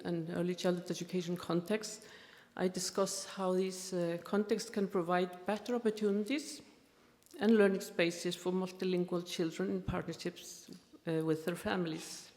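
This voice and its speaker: A woman's voice: fairly low pitch, steady tone, normal speed, darkish tone. A middle-aged woman with an Icelandic accent giving an academic keynote talk, speaking carefully with frequent fillers. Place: large conference hall. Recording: long hall reverb.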